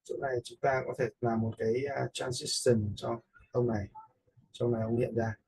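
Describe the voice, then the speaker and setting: A man with a gravelly, husky voice, casually commenting as he teaches video editing. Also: medium pitch, flat delivery, fairly quick, darkish tone, soft background music, rough recording. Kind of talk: casual screen-recorded tutorial commentary.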